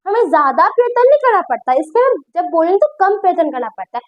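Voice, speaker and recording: A woman with a very high, lively voice gives a grammar lesson. She is patient and repeats each point, and she keeps checking that her students follow along. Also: fast talker, muffled recording. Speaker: Hindi grammar teacher. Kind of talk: classroom-style lesson explaining at a board.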